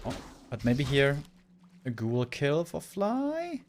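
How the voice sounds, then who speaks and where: A man giving live esports commentary on a strategy game match, casual and conversational, swinging between musing and excited exclamations. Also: mid-range voice, takes it slowly, a little hiss or hum. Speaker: esports caster.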